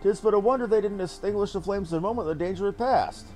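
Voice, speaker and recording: A man's voice: sits high, quick pace, darkish tone, lightly acted. A man voicing a dutiful military captain who reports in formal, archaic words. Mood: earnest, explaining. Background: game music.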